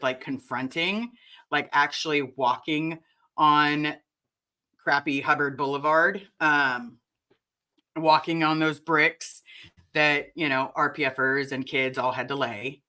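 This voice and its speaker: Raspy-voiced woman hosting a lively chat. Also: deep voice, slow. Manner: chatty and animated, addresses the chat directly. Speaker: livestream host. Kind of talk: casual chat.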